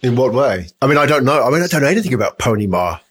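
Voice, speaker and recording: A man hosts a relaxed, conversational interview. He has a mid-range voice and a talkative, rambling way of building up to his questions. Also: medium pitch, very fast, breathy edge. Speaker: podcast host interviewing a guest.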